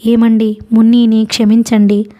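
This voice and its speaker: A woman reading the part of an anxious, gentle mother who pleads pitifully with her husband, in an audiobook. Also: fairly high pitch, completely flat delivery, moderate pace, close to an everyday voice. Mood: pleading.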